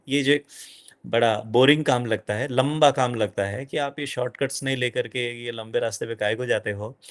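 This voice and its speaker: A middle-aged man giving an animated lecture to an audience as a guest speaker, dropping in English phrases. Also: mid-range voice.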